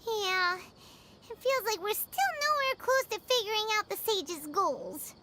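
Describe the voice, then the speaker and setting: A woman voicing a tiny childlike fairy companion in a video game, squeaky, inquisitive and chirpy. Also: lively intonation, slow, heavy background noise, heavily acted. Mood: worried. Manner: refers to herself by name, exclamatory. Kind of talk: video game character acting.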